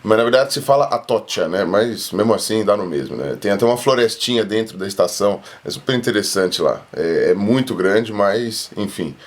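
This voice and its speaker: A man's voice: lowish voice, expressive, normal speed, hardly any pauses, echoey room. A man with a Brazilian Portuguese accent, chatting casually in a travel vlog and often adding little tag questions. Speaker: travel vlogger.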